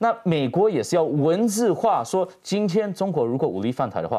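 On a very clean recording with a silent background, a man talks with lively intonation in a high pitch. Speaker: former diplomat and political candidate. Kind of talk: political talk show discussion.

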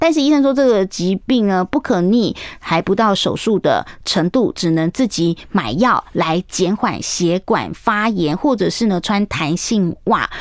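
A woman's voice with very wide pitch swings at a fairly slow pace, on a very clean recording with a silent background. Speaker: substitute radio health show host. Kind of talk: radio health interview.

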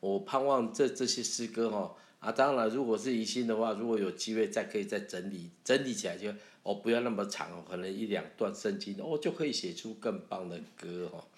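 A man with a Taiwanese accent and a medium pitch, at a fairly quick pace with ordinary pitch variation and hardly any pauses. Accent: Taiwanese Mandarin. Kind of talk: casual chat.

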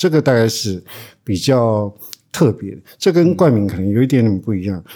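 A man with a Taiwanese accent speaks in a dark, mellow tone. His pitch swings very widely on a very clean recording with a silent background. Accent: Taiwanese Mandarin. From Taiwan, Hualien. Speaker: literature professor. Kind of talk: interview. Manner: halting.

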